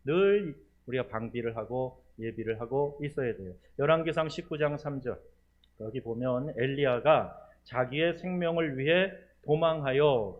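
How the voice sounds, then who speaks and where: A male pastor preaching a sermon earnestly, at times acting out pleading prayers in a raised voice. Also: fairly high pitch. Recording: tinny phone-like sound.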